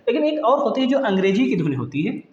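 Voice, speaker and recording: A man's voice: high-pitched, big pitch swings, quick pace, a little mellow, reverberant, lo-fi sound. A man teaching an exam-prep grammar lesson, explaining patiently and often repeating key points to his students.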